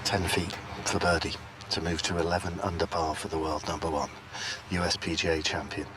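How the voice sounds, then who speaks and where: A man's voice: low voice, little pitch movement, brisk, fairly bright tone. A man giving live golf commentary, describing play as it unfolds in short, descriptive phrases. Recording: faint background noise and hum.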